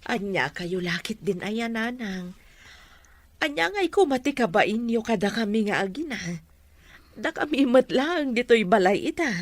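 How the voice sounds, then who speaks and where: A woman with an Ilocano accent playing a gentle, devoted mother who consoles in a sentimental drama style. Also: on the high side, lively intonation, normal speed, no echo. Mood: warm, reassuring. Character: gentle, pleading, devoted mother comforting her grown daughter. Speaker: voice actor in an audio drama.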